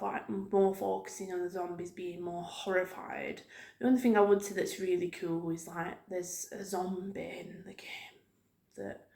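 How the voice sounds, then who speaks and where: A woman talks softly in a casual ASMR ramble, with an even, fairly flat pitch. She wanders from thought to thought in a hesitant, informal way, like a video host chatting to viewers. The room adds a clear echo around her voice. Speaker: YouTube host. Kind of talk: soft-spoken ASMR ramble. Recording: roomy, echoing room sound.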